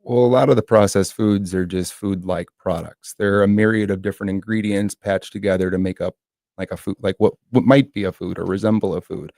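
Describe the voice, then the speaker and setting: Deep, gravelly, fast-talking man explaining. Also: steady tone, darkish tone, no echo. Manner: earnest, explanatory, fluent. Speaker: health food store owner, guest. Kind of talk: radio interview guest. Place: radio studio.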